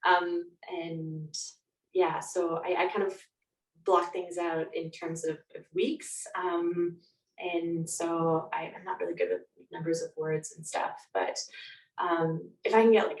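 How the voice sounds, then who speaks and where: A woman's voice: on the low side, flat delivery, a little slow. A Canadian woman talking reflectively in a conversational interview as a guest author. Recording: echoey room, distant from mic.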